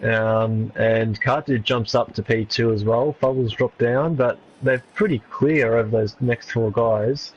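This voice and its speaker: A man's voice: mid-range voice, steady tone, a little slow, hardly any pauses, slightly rough, muffled recording. A man, co-commentating a sim race in easygoing, chuckling chat.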